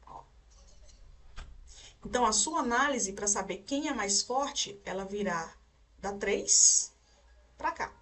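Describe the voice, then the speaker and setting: A woman's voice: medium pitch, lively intonation, slow, long pauses, a bit bright, recorded from a distance. Brazilian woman teaching a grammar lesson. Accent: Brazilian Portuguese. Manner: explains step by step, checks in with "certo?" and "tá?". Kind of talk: recorded online grammar lesson.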